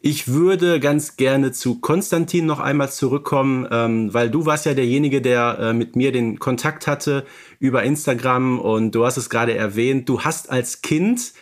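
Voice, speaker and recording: A man's voice: medium pitch, moderate pace. A man co-hosting a podcast in casual discussion, appreciative and feeling his way through his phrasing. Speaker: podcast co-host.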